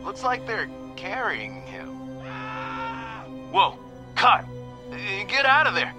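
A man's voice: high voice, huge pitch swings, slow pace, music in the background, heavily acted. An actor playing a laid-back young male stoner calling a radio show, drawling and slangy, then growing frantic. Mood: panicked. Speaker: radio caller. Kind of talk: audio drama acting.

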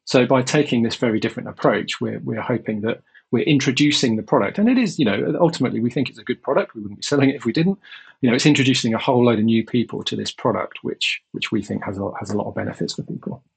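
A man speaking as a guest in a podcast interview, measured and repeating words as he thinks. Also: medium pitch, vocal fry, husky. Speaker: guest, insurance company executive.

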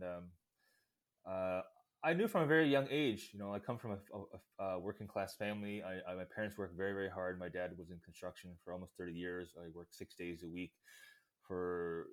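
A man from Vietnam speaking as a podcast guest, hesitant and reflective, with many uhs and ums. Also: sits low. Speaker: interview guest, real estate investor. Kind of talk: casual interview chat.

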